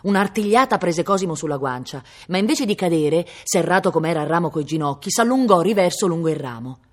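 A woman from Italy with a low voice reads a novel aloud for a public library. She tells the story with feeling, slowing for tense moments and jumping high and loud for the characters' shouts. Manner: expressive storytelling, raising pitch and volume sharply for quoted shouts; slows down on tense moments, hisses the cat's sounds. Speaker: volunteer reader for a public library.

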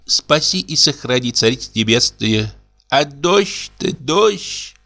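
A man's voice: medium pitch, lively intonation, moderate pace, a bit bright, soft background music. A man reading aloud and voicing an elderly mother who frets, sighs and calls on God. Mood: fussing. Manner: sighing, fussing, prayerful exclamations. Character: fretful elderly mother, pious and doting.

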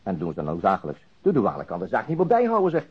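An actor playing a stubborn, dry-humoured middle-aged police detective in a Dutch radio drama, wry and self-interrupting. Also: male voice, on the low side, huge pitch swings, quick pace, husky, full character voice. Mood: animated, wry. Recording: muffled archived radio drama recording.

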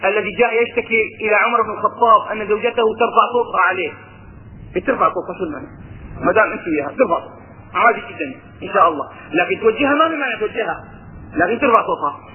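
A man's voice: sits high, racing, a little hiss or hum. A man with a Levantine Arabic accent teaching a religious lesson. He mixes colloquial talk with recited verses and asks his listeners rhetorical questions. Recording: tinny phone-like lo-fi recording.

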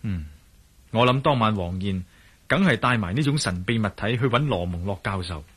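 Calm cantonese radio play detective, kinda husky, muses to himself. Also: male voice, on the low side. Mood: musing. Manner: musing inner monologue, measured. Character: male adventurer-investigator, calm and curious. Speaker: lead character. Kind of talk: 1970s Cantonese radio drama acting.

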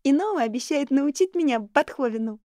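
A woman voicing a bright little girl in an audiobook, eager to show off and exclaiming high above the reader's own voice. The voice stays close and dry. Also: expressive, moderate pace, no echo. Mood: excited. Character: young female child, eager and excited.

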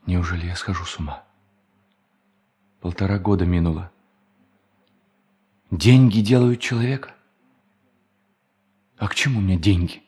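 An actor playing a bitter, lonely bank thief in hiding, in a theatrical radio play monologue that moves between muttering and solemn declamation. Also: male voice, low voice, darkish tone, slightly rough. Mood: anguished. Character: brooding fugitive bank thief, bitter, lonely, self-tormenting man.

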